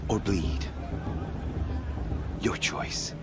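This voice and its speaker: A man's voice: drawn-out words, noisy background. A man playing a hostile tribal guard in a video game, curt and threatening. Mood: menacing. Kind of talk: dramatic video game acting.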